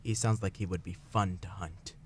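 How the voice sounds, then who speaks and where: A man's voice: sits low, fairly even intonation, moderate pace, slight background noise, lightly acted. A man playing a weird, sullen boy in a comic radio play, with a blunt, odd delivery. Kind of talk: comedic audio drama acting.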